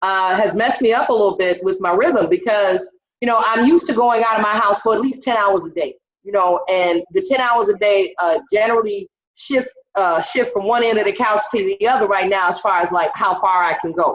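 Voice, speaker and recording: A woman with an American accent talks at a fairly quick pace in a normal speaking voice. Her pitch is fairly high and varies in an ordinary way. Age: 50s. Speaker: comedian. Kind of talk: stand-up. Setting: video call.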